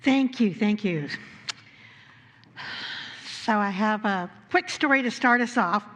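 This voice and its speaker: A woman minister giving a sermon with stories, speaking deliberately with pauses and rhetorical questions. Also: medium pitch, a bit bright. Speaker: minister leading a service. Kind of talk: sermon with storytelling. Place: church sanctuary during a live service. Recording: echoey hall with long reverb.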